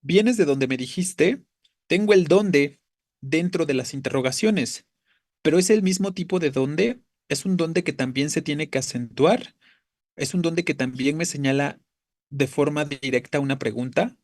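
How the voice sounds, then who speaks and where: A man's voice: a little high, normal speed, a little mellow, dry recording, studio quality. A man teaching a language class, explaining patiently, often checking in with "¿no?" and correcting himself as he goes. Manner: explains patiently, tags phrases with "¿no?" and "¿vale?"; self-corrects mid-sentence. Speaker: Spanish teacher. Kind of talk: online class lecture.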